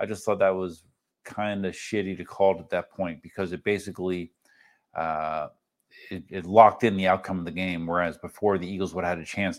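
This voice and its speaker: A man's very deep, low voice at a moderate pace, with big swings in loudness, on a very clean recording with a silent background. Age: 50s. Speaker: electric unicycle vlogger and livestream host. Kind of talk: casual livestream chat reading viewer comments. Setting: home livestream with wireless mic. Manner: halting, many repetitions and fillers.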